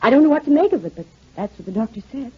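A woman's voice: high voice, sing-song, rapid-fire, husky, full character voice. An actress playing a polite, dramatic, evasive married lady in 1940s radio acting style. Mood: subdued shock. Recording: muffled, lo-fi 1949 radio recording.

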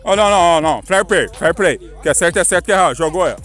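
A man's voice: high voice, very fast, faint music behind. A young Brazilian man casually commentating an outdoor street football game, calling out to players and teasing them. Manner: excitable, calls out to players, playful teasing. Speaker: host and match commentator.

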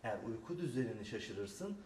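A man voicing a small, patient male sleep dwarf who gives calm, instructive advice to a child. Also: mid-range voice, fairly quick, background noise, pitched below the performer's own voice, lightly acted. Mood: lecturing. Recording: echoey room from a distant mic.

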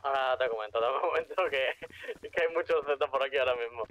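A man's voice: medium pitch, a little fast, fairly bright tone. A man reporting to teammates over a radio in a game roleplay. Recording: band-limited radio line with tones.

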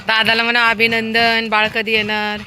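A woman's voice: fairly high pitch, monotone, normal speed, pushed and bright, a little hiss or hum. A woman filming her dog on a phone outdoors, chatting and coaxing it and the children around her. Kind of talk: casual vlog chat.

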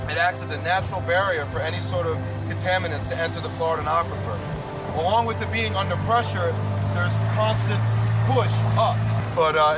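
A man in his thirties giving a casual, matter-of-fact technical tour outdoors at a construction site, recorded from a distance. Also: sits high. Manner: matter-of-fact, explaining with hand gestures. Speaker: site guide at a fish farm. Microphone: far camera mic. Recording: distant outdoor audio under music. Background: background music.

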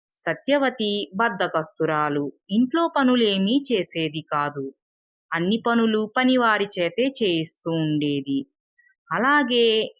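Slow, measured woman storyteller. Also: medium pitch, a bit bright, no echo. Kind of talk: scripted narration of a moral tale.

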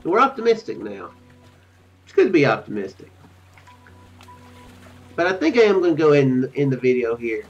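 A man's voice: a little high, sing-song, moderate pace, long pauses. A drowsy young adult man giving casual game commentary as a video host, musing in a hesitant, rambling way. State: tired, drowsy. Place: small room at home. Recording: dull lo-fi mic with music. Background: game music.

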